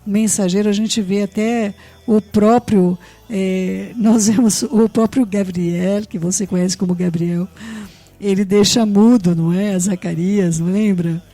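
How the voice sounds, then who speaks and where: Mellow-voiced Brazilian woman preaching earnestly. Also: medium pitch, steady tone, measured pace, no room sound, soft background music. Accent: Brazilian Portuguese. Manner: earnest, tags phrases with rhetorical questions, addresses listeners fondly. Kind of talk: sermon.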